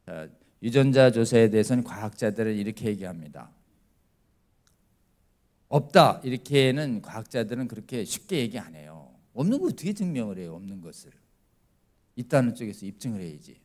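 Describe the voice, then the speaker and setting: A middle-aged man, a lawyer, giving a church lecture who keeps asking the congregation questions and acting out quoted voices, swinging between loud and quiet. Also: on the low side, big pitch swings, normal speed, pauses often. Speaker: lawyer speaking at a church prayer meeting.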